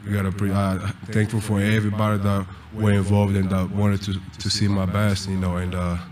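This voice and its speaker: A man's voice: fairly low pitch, monotone, brisk. A young man and college basketball player giving heartfelt postgame answers, searching for words and repeating himself, into a table mic. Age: young adult. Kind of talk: postgame press conference answers. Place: press conference room.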